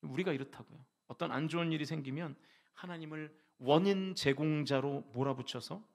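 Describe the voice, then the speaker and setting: A man's voice: a little high, brisk. A middle-aged male pastor giving a sermon in a church, asking the congregation rhetorical questions and voicing people's complaints to God. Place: church sanctuary.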